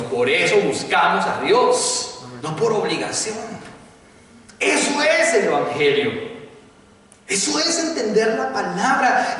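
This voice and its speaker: A man's voice: high-pitched, fairly bright tone, slight background noise. A middle-aged man preaching a sermon with emphasis, often putting questions to the congregation. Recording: echoey hall, voice from far off.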